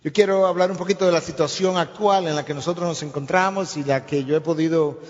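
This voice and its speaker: A man preaches from a church platform, his fairly high voice trailing off into a long hall reverb. The recording sounds dull and lo-fi. He tells stories and acts out the dialogue in them. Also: fairly even intonation, fast. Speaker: pastor. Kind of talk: sermon.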